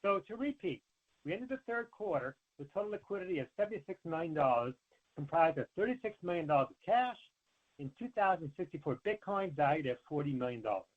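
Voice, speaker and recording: A man, a company finance executive, reading prepared earnings remarks in a formal, measured way over a conference call line. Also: fairly high pitch, very animated. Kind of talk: scripted earnings call presentation. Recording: narrow, tinny conference phone line.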